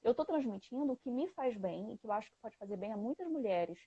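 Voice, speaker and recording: Husky dark-voiced woman host. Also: a little high, expressive, fast talker, dry recording. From Brazil. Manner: chatty, storytelling, laughs often. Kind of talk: casual live-stream conversation. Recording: dry, muffled live-stream audio.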